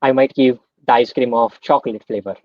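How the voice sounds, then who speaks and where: A man's voice: mid-range voice, a little fast, no room sound. A young man from India, a guest speaker talking casually on a video call with many filler sounds. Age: young adult. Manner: relaxed, many "um"s, explains with everyday examples. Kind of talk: casual online talk. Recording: dull lo-fi video call audio.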